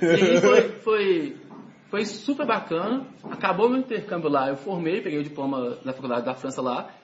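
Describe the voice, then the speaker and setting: Over noticeable background noise, a man with a high pitch talks at a moderate pace, his voice making very wide pitch swings. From Minas Gerais, Brazil. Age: 20s. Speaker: CEO of a publishing company. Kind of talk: interview answer.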